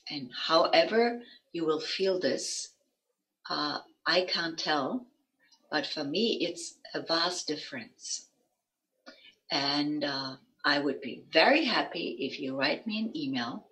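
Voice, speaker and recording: A woman with a German accent tinged with American, guiding an online session and spelling things out slowly and carefully. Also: low-pitched, lively intonation, fairly bright tone, low-quality recording. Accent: German with some American. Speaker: energy-work teacher. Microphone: video call.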